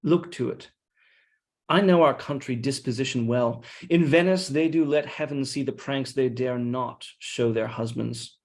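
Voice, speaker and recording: A man reading a scheming, deferential soldier in Shakespeare, with measured, insinuating, mock-humble delivery. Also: mid-range voice, natural voice. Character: scheming deferential soldier feeding his lord's suspicion. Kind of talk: Shakespeare read-along.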